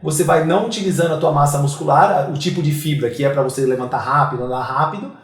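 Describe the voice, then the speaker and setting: A man's voice: on the high side, quick pace. A man with a Santos Brazilian Portuguese accent explains things as an interview guest, emphatically, often posing questions and answering them himself. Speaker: interview guest, fitness coach and gym owner. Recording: roomy, echoing interview sound.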